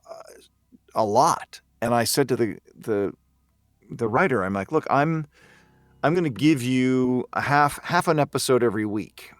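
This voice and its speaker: A man's voice: lowish voice, dry recording, studio quality. A man speaking as a guest voice actor in a casual podcast chat, hesitant and meandering, a little self-deprecating.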